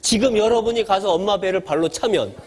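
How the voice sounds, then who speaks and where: A man preaching a sermon to children, animated, asking them questions and acting out small scenes of mother and baby. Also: high voice, fairly quick, a little hiss or hum. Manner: acts out mother and baby voices. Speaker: pastor.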